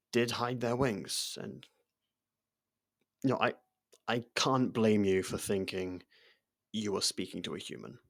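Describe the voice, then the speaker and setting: A man playing a loyal servant and close friend to royalty in an ASMR roleplay, hesitant, deferential and familiar, gently teasing. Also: on the low side, gravelly, exaggerated voice. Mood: concerned, hesitant. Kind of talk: ASMR roleplay audio drama.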